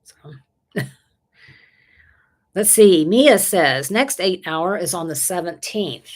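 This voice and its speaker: A woman's voice: fairly low pitch, expressive, takes it slowly. A woman, chatting casually on a livestream and reading viewer comments aloud, rambling and laughing often. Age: 60s. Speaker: livestream host.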